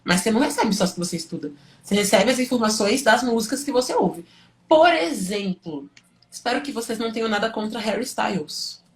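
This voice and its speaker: A woman with a Brazilian accent speaks at a medium pitch as she teaches live. She explains things informally, as if chatting with students, often asking a question and answering it herself, with small check-in tags along the way. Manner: conversational and didactic, asks and answers own questions, frequent check-in tags. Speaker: teacher and study coach hosting a livestream.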